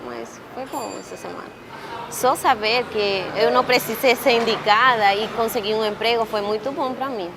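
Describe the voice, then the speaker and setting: Young Venezuelan woman, halting. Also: fairly high pitch, vocal fry, a crowd in the background, low-quality recording. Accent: Venezuelan Spanish. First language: Spanish. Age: 20s. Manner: halting, searching for words. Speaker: interviewee. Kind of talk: casual personal account.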